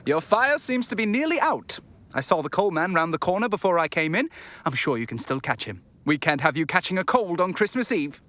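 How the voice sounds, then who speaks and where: An actor playing a cheerful, earnest, good-hearted young gentleman pleading in a theatrical radio drama. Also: high voice, very animated, a little fast. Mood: friendly.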